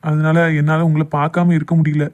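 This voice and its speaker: A man's voice: fairly high pitch, little pitch movement, quick pace, a little mellow, close to an everyday voice. A man playing a hurt, jealous young lover in a cartoon love drama, with a southern Tamil Nadu accent. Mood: hurt, sarcastic.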